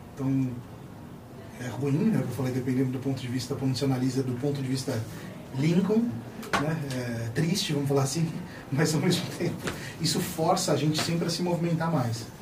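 Amid noticeable background noise and audible room echo, a man with a fairly high pitch and ordinary pitch variation speaks at a moderate pace, taking long, frequent pauses. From Brazil, São Paulo. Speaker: company founder. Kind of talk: interview.

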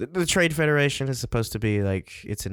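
The recording is very clean, with a silent background. A man with an unremarkable speaking voice talks at a fairly quick pace with lively intonation. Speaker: podcast host. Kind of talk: casual banter, film review podcast. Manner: casual, profane, joking.

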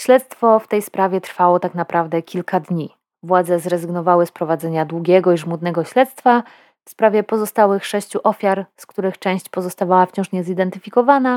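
A woman speaks at a fairly quick pace with a Polish accent, her medium pitch showing ordinary variation and big swings in loudness. The sound is dry and close with no echo, on a very clean recording with a silent background. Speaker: true crime podcaster. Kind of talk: true-crime narration, scripted storytelling. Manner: calm, measured, serious narrator; grave, somewhat judgmental, with commentary on the killer.

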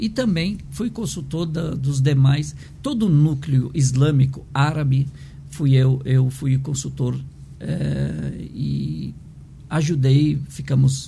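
A man talks very slowly, and audible room echo hangs around his words. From Lebanon, then Brazil from age seven. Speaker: Islamic religious leader. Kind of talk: interview conversation. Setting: studio. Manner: hesitant, many fillers.

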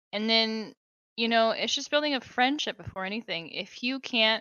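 Lively intonation runs through this woman's very fast speech. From Arizona. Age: 20s. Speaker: streamer. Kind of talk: casual chat. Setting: online call.

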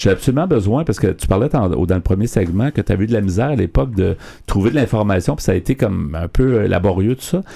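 On a very clean recording with a silent background, a man with a dark, mellow tone and lively intonation talks at a very fast pace. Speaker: radio host. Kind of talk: radio interview.

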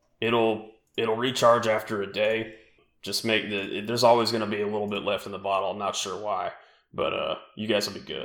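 A man puts on a raspy character voice at a medium pitch. He speaks fairly quickly with monotone, flat intonation. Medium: actual play. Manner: casual, blunt.

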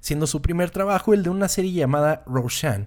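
This man speaks with a Mexican accent at a moderate pace, his high pitch carried by lively intonation. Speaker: podcast host. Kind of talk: casual chat; scripted narration.

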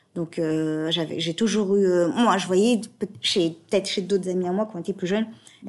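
Talking at a fairly slow pace, a woman has an unremarkable speaking voice with a medium pitch and ordinary pitch variation. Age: 30s. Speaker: podcast co-host. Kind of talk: casual chat.

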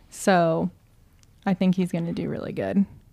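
A woman with an American accent speaks in a medium pitch. Her tone is dark and mellow. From Arizona. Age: 30s. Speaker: podcast co-host, mother. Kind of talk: casual chat.

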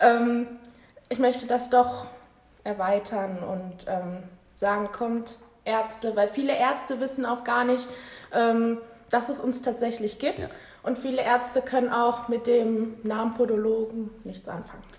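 A woman's fairly high voice at a fairly slow pace, with fairly even intonation and long, frequent pauses. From Hameln, Lower Saxony, Germany. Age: 20s. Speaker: podiatry trainee. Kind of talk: casual interview. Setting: podiatry practice. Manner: hesitant, many fillers.

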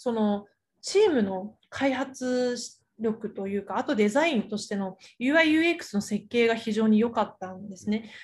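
Against a very clean recording with a silent background, a woman with an ordinary speaking voice talks fairly slowly at a fairly high pitch with lively intonation. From Japan, born in China. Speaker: venture capitalist. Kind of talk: interview.

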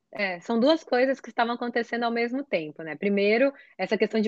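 A woman speaks in a normal speaking voice with ordinary pitch variation, the sound dry and close with no echo. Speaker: climate policy expert. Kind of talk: interview.

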